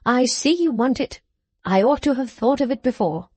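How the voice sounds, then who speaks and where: Brusque fussy old gent barking orders , a woman putting him on, mellow voice, dry sound. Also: fairly high pitch, expressive, moderate pace, husky, no echo. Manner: abrupt, commanding, fussy. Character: impetuous, restless older gentleman, brusque and bossy. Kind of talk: audiobook character voice.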